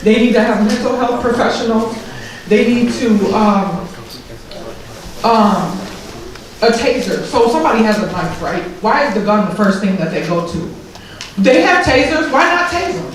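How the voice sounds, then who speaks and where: A tearful woman speaks with raw, halting passion, her fairly high voice stumbling over repeated words. She is picked up from a distance in a very echoey room, with a faint hiss of noise underneath. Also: expressive. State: tearful, emotional. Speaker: grieving mother speaking at a press event. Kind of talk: emotional public speech.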